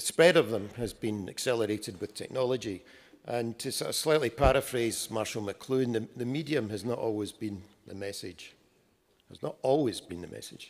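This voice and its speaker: The speaker has a Glasgow accent and talks at a moderate pace with ordinary pitch variation. Loudness swings widely from moment to moment. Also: man, medium pitch for a man. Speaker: news agency editor and speaker. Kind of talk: conference talk. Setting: conference stage with audience.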